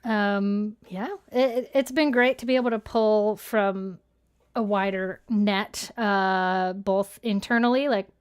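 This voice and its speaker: A woman's voice: mid-range voice, fairly even intonation, takes it slowly, smooth. A woman co-hosting a casual livestream, chatting through announcements for the audience. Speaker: show co-host.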